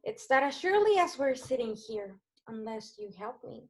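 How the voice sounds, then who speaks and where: A woman's voice: a little high, sing-song, moderate pace. A woman playing an anxious, evasive femme fatale in a 1940s-style radio noir, hesitant and theatrical.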